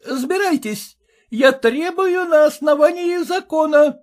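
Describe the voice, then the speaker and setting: A man's voice: very high voice, takes it slowly, pitched above the performer's own voice. A man playing a pompous, legalistic husband who blusters and sneers, with a pedantic way of talking.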